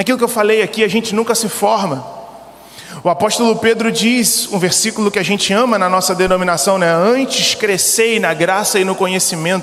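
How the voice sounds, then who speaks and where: The voice holds a very even loudness and fairly even intonation at a fairly quick pace. Noticeable background noise and audible room echo are present. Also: man, high pitch for a man. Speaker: preacher at youth service. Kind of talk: sermon. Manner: fast.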